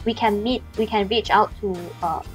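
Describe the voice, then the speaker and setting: A young woman, a student, chats casually in an interview over a video call. Her voice sits at a medium pitch, with faint music behind it. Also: normal speed.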